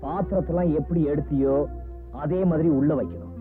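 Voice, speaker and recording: A man's voice: fairly high pitch, steady tone, a little fast, close to an everyday voice. An actor playing a stern village man who stands up for a poor mother, warning with firm words. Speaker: film actor. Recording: tinny lo-fi old film sound with music.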